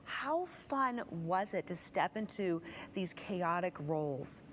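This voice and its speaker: A woman's voice: on the low side, lively intonation, takes it slowly, a little hiss or hum. Enthusiastic female TV host. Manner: enthusiastic, gushing. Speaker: TV show host. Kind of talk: broadcast interview.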